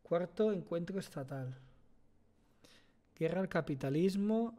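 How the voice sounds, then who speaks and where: A man's voice: high-pitched, expressive, unhurried, warm tone. A young man with a Spanish accent from Spain, streaming casual reaction commentary from a headset at home, interrupting with muttered asides and emphatic bursts. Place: small room at home.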